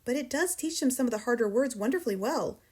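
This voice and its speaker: Woman doing a kind young teacher, soft voice, begging. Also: a little high, animated, quick pace, husky, voice pushed up. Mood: pleading. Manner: soft, pleading.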